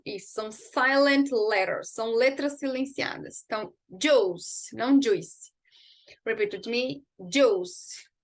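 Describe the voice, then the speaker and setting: A woman English teacher gives an online lesson, moving between quick explanations and slowly modeled words for learners to repeat. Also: sits high.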